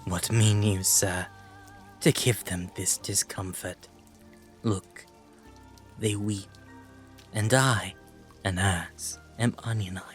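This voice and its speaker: A man's voice: lowish voice, fairly even intonation, takes it slowly, long pauses, soft background music. A man acting a loyal, blunt veteran soldier and wry adviser in a Shakespearean audio drama. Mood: pleading.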